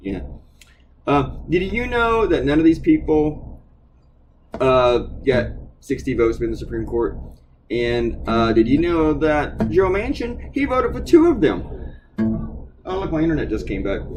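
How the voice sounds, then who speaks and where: A man mumbling at a moderate pace, with long, frequent pauses and audible room echo. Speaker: political cartoonist. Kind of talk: casual narration over time-lapse drawing.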